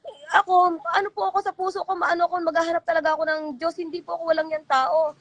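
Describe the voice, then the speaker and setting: A high-pitched middle-aged woman pours out her side of the story in long, rambling runs. She slips into other people's voices as she quotes them. The sound is close and dry, with no room around it. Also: flat delivery, quick pace, a bit bright, no room sound, muffled recording. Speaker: guest, former church member. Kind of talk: emotional call-in interview.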